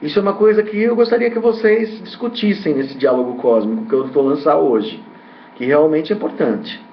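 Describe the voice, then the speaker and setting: A man's voice: a little high, animated, brisk, slight background noise. A man with a slightly raised voice gives a rambling commentary as a ufologist host. He hesitates, repeats himself and keeps tossing in tag questions. The recording sounds dull and lo-fi.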